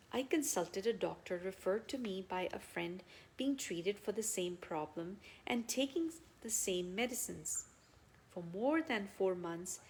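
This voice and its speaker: A woman reads a written account aloud at a very slow pace. She moves through it phrase by phrase in a measured way, pausing often, in a mid-range voice. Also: medium pitch, darkish tone, slight background noise. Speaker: reader of devotional testimonials.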